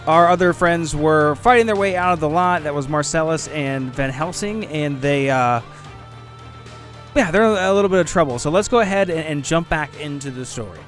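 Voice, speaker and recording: A man's voice: fairly high pitch, moderate pace, fairly bright tone. A man giving a casual podcast intro and recap in an informal, conversational way. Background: music under the voice.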